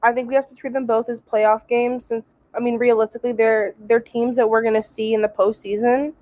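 Chatty higher-voiced woman, dry sound. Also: flat delivery, brisk, warm tone, no echo. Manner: chatty, full of fillers. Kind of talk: casual sports chat.

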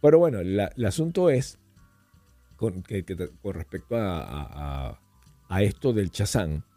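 A middle-aged man speaks as a podcast guest, casual and full of stories, his low voice rising and falling a lot as he slips into quick impressions. The tone is dark and mellow with a husky edge, recorded dry and close with a little music underneath. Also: dry recording. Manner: animated storyteller who slips into voices and accents. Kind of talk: casual conversational storytelling.

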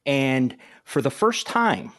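A man's voice: mid-range voice, big pitch swings, slow, fairly bright tone. A talkative man in his forties hosts a podcast in a casual, upbeat way. He grew up in New Jersey and learned Greek before English, and he often restarts his sentences as he goes. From northern New Jersey. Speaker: podcast host.

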